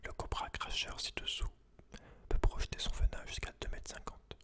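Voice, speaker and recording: A man whispering in a breathy, unvoiced voice as an ASMR host, reading aloud and adding informal, slangy asides to the listener. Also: very high voice, fairly even intonation, moderate pace, a bit bright.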